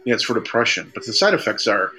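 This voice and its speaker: A man's voice: on the low side, sing-song, quick pace, sharp tone, husky, poor audio. A man chatting casually as co-host of a comedy podcast.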